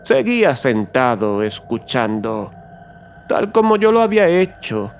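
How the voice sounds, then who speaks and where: An actor playing a mad, gloating murderer who confesses in a theatrical horror audiobook, swinging between hushed and agitated delivery. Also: male voice, mid-range voice, very animated, a little slow, a little hiss or hum. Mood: sly, hushed menace. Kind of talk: dramatic horror audiobook narration.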